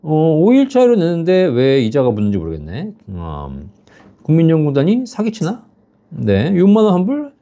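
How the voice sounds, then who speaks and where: Lively, chatty man in his fifties. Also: on the high side, normal speed. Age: 50s. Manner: chatty, laughs at his own stories, asks "right?" often. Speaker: pension advice host. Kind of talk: live-stream Q&A reading viewer comments.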